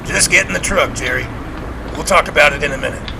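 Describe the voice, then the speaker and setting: Grouchy schemer, played by a man: highish gravelly voice, irritable, with clear vehicle noise around him. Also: fast. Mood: irritated. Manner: irritable, snapping. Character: grumpy, threatening male schemer called Professor. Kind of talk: audio drama acting. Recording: loud outdoor vehicle noise.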